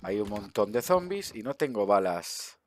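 A man's voice: on the low side, big pitch swings, normal speed, background noise. A man with a Spain Spanish accent giving casual gameplay commentary, swearing often and talking to viewers. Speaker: gaming streamer.

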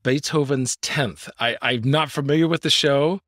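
Man, podcast host, measured questioner, dry close recording. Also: medium pitch, fairly bright tone, dry recording. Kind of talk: interview questions.

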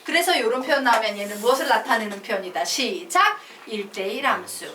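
A woman's voice: fairly high pitch, fast talker, fairly bright tone. A woman math teacher giving a classroom lecture, drilling students with call-and-response chanting and mixing casual and polite speech. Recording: echoey classroom, far from mic, noisy.

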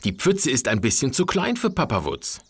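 A man's voice: mid-range voice, wildly swooping pitch, normal speed, background noise. A man narrating a children's cartoon in a cheerful storybook manner. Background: music.

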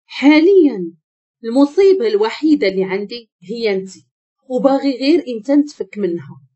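A woman's voice: on the high side, expressive, brisk, warm tone, breathy edge, lo-fi sound. A woman with a Moroccan accent voicing a harsh, insulting young male boss who talks bluntly. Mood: curt, scornful.

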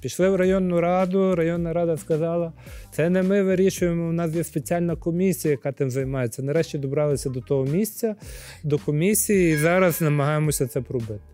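He talks fast in a slightly high voice as faint music plays: a Ukrainian priest in his forties being interviewed on a lapel mic. Thoughtful answers with hesitant fillers give way to liveliness when he acts out scenes. The recording begins in a library studio and continues in an outdoor courtyard.

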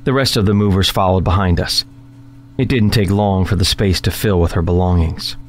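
A man playing a polite, wry young worker, narrating an audio drama in a measured first-person storytelling manner. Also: low voice, steady tone, close to an everyday voice. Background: music under the voice.

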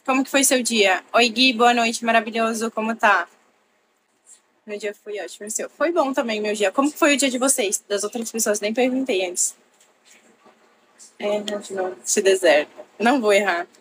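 A woman's voice: fairly high pitch, normal speed, background noise. A young woman hosting a casual live stream from her bedroom, chatting with viewers and thanking them by name. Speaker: livestream host. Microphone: laptop.

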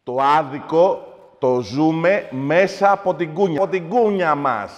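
A man's voice: lowish voice, lively intonation, lo-fi sound. An actor playing a crude, hot-headed taverna owner in his forties, ranting and swearing in a comic monologue. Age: 40s. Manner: foul-mouthed, ranting, swings from mumbling to shouting. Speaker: comedy character. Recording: long hall reverb.

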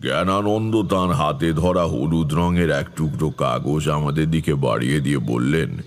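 An actor playing a grave tantric storyteller, narrating a horror tale in a measured, ominous way. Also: male voice, rumbling low. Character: grave, foreboding tantric storyteller recalling eerie past. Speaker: first-person narrator. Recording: music behind the voice.

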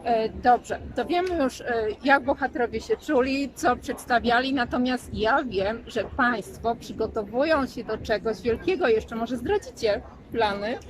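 A woman's voice: a little high, measured pace, few pauses. A woman hosting a vlog interview in a courteous, slightly hesitant, formal way. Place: outdoors in a town street. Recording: outdoor recording with crowd and traffic.

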